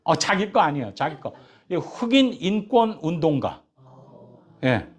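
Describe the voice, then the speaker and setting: Animated high-voiced pastor in his fifties. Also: measured pace. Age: 50s. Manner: animated, asks the audience questions and jokes with them. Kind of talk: lively church lecture. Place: church hall.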